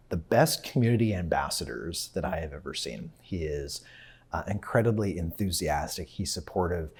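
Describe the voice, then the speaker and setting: A man's voice: sits low, darkish tone, husky. A man with a Canadian accent giving an earnest interview testimonial, repeating words for emphasis. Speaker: local interviewee.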